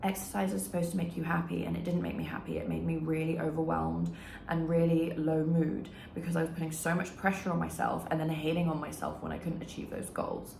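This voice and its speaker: Talking very fast, a woman is heard against noticeable background noise. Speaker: self-improvement vlogger. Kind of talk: casual talk to camera.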